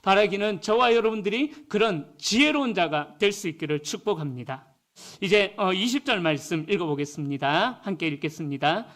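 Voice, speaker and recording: A man's voice: sits high, moderate pace, fairly bright tone. A male pastor preaching a sermon in a church, in a conversational way that keeps checking in with the congregation.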